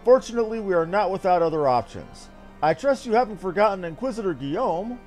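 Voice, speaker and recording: High-pitched, animated man reading fantasy dialogue. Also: quick pace, soft background music. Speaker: streamer reading game dialogue aloud. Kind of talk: dramatic read-aloud of fantasy game script.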